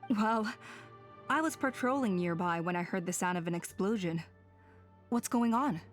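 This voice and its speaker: An actress playing a composed, cautious female tribal elder in a video game, measured and authoritative. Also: mid-range voice, faint music behind, close to an everyday voice. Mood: calm, recounting. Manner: measured, explanatory. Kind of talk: game voice acting.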